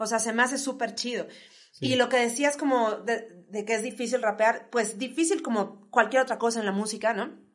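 At a moderate pace, a woman with a plain, everyday voice speaks at a fairly high pitch with ordinary pitch variation. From Mexico City, south (Tlalpan). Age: 40s. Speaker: rapper. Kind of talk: casual interview chat.

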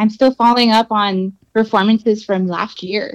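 In a dry, close recording with no echo, a normal speaking voice with an American accent keeps a moderate pace and fairly even intonation. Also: woman. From US South, Texas Rio Grande Valley. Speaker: composer and guitar teacher. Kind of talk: casual interview.

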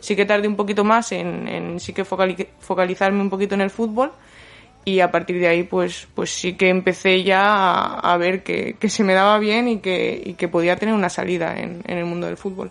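A woman speaks in a monotone, flat intonation at a medium pitch. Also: moderate pace. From Spain, Teruel (Aragon). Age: 20s. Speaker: football coach, former professional footballer. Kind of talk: interview. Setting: studio.

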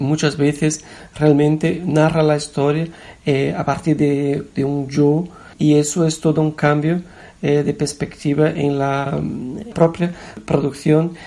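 A woman with a Portuguese accent speaks fairly slowly at a very deep, low pitch, her dark, mellow tone held in a monotone, flat intonation. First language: Portuguese (speaking Spanish). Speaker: university student presenting a class podcast. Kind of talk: scripted narration. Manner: halting.

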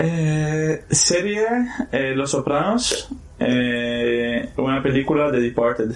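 A man speaks very slowly at a fairly high pitch, with ordinary pitch variation and very even loudness, against noticeable background noise. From Netherlands. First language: Dutch (speaking Spanish). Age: 20s. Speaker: social media manager for a football club. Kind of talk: interview. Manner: halting.

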